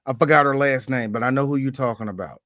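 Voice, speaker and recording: A man co-hosting a podcast in casual chat, animated and joking, swearing freely. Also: mid-range voice, fast, slight background noise. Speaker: podcast co-host.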